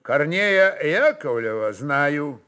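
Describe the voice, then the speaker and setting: A man's voice: on the high side, big pitch swings, slow pace, pushed and bright, clean tone, heavily acted. A man voicing a haughty, impatient governor of old Russia in an audio story, stern and commanding. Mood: stern questioning.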